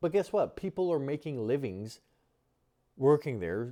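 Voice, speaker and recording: A very clean recording holds a man's voice with nothing but silence behind it. His tone is dark and mellow. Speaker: investing vlogger. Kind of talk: casual monologue. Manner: hesitant, repetitive.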